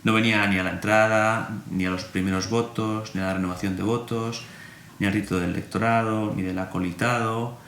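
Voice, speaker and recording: A man, a priest, telling a personal story in an animated way and acting out remembered conversations. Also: lowish voice, a little fast. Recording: roomy echo, faint room hum.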